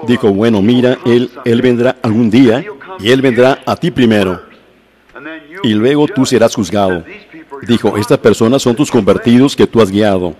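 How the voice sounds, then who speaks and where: A man delivering a sermon in a slow, measured storytelling manner, often repeating and restarting words. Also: medium pitch, a little mellow. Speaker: preacher. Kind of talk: sermon in Spanish translation.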